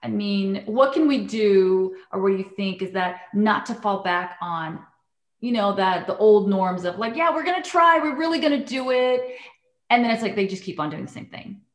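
A woman's voice: mid-range voice, moderate pace, roomy sound. A woman interviewing a guest, chatty and casual, leaning heavily on "like" and "you know". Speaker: interviewer, host.

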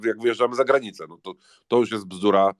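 Nasal, congested man with a lowish voice. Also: fast talker, no echo, studio quality. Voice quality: nasal, blocked-nose voice as if pinching nose. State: congested from a head cold. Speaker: guest speaker. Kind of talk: casual discussion.

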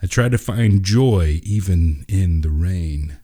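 A man voicing a grieving, hopeful widowed father in a storybook, heartfelt, measured and reflective. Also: low-pitched, expressive, warm tone, breathy edge, full character voice. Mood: earnest resolve. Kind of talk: storybook dialogue reading.

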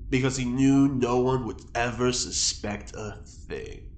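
A man's voice: mid-range voice, steady tone, a little slow, echoey room, lightly acted. A man playing a droll, eloquent prisoner in an audio drama, speaking in a wordy, dryly theatrical way. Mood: grandiose.

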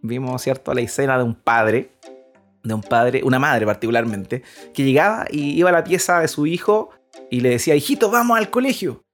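A man's voice: medium pitch, moderate pace, faint music behind. A man co-hosting a Christian parenting podcast, talking earnestly and rambling with many restarts and repeated words. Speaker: podcast co-host.

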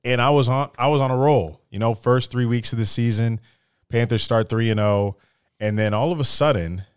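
A man co-hosting a casual sports podcast, animated and crude, talking to players as if they could hear him. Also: mid-range voice, normal speed, clear, resonant tone, no echo, clean studio sound. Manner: animated, crude slang, talks to players as if present. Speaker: podcast co-host.

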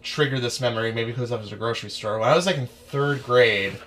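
A young man, a guitarist guest, telling stories in a rambling, animated way during a casual interview. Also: medium pitch, fast talker, slight background noise. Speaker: musician guest.

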